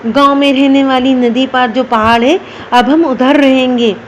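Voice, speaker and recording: A woman voicing a calm, confident young magical daughter who reassures her mother in a storybook tale. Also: high voice, measured pace, a little hiss or hum. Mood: reassuring.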